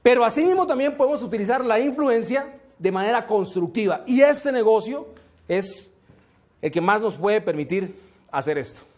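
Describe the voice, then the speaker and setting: Man, motivational speaker, high voice, rhetorical questions, emphatic delivery. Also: expressive, moderate pace. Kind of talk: motivational seminar talk.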